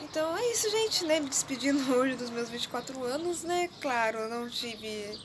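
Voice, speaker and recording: A high-pitched woman at a fairly slow pace, with noticeable background noise. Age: 20s. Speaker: vlogger. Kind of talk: personal vlog monologue. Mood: reflective, personal. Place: home room. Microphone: phone near.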